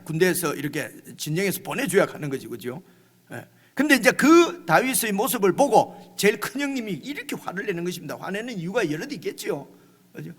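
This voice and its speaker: A man's voice: sits high, fairly bright tone, breathy edge, long reverb tail. A male pastor preaching a midweek sermon in a conversational way, often asking the congregation "right?" and acting out quoted lines. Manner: acts out quoted lines with rising intensity. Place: church sanctuary.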